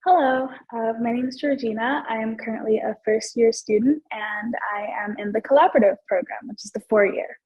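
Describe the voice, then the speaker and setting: A woman's voice: on the high side, brisk, hardly any pauses, husky, highs cut off. A woman from Kenya, a first-year nursing student, sounding nervous and apologetic.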